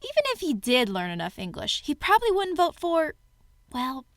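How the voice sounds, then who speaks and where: A woman's voice: sits high, wildly swooping pitch, normal speed, a bit bright, no room sound, full character voice. A woman playing a suspicious, melodramatic young volunteer in an amateur theater skit, emphatic and theatrical. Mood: suspicious, insistent.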